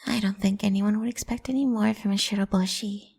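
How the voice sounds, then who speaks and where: A woman's voice: mid-range voice, steady tone, fairly quick. Woman playing a whispery, possessive lamia girl. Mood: explaining softly. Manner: coaxing, teasing, soft and breathy. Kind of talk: whispered ASMR roleplay.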